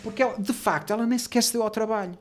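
A man's voice: high-pitched, racing. A man with a European Portuguese accent telling an indignant story in a casual chat.

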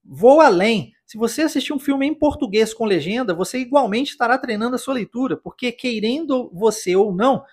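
A man's voice: extremely high pitch, lively intonation, brisk, hardly any pauses, darkish tone, slightly rough. A man from Brazil teaching English on a podcast, explaining patiently and encouraging the listener, often checking in with short tag questions. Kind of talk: podcast lesson addressing listener.

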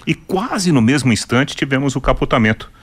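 A man's voice: mid-range voice, animated, a little fast, husky. A Brazilian man giving a conversational live news update as a radio reporter.

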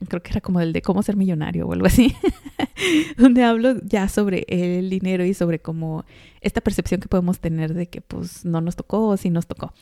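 A woman's voice: lowish voice, dark tone, no echo, clean studio sound. A young woman with a Mexican accent, hosting a podcast, talking casually in a rambling way full of fillers. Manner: chatty, rambling with many fillers and laughs. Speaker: podcast host. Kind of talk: casual monologue. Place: home in Chicago.

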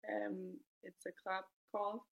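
A woman in her twenties from Denmark, telling her story as a guest in a podcast interview, relaxed and thoughtful. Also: mid-range voice, unhurried, lo-fi sound. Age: 20s. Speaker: guest footballer.

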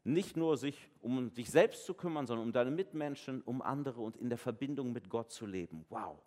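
A pastor giving a family service sermon in a conversational, lively way, acting out voices in the dialogue he retells. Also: medium pitch, moderate pace. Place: church. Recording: long church reverb.

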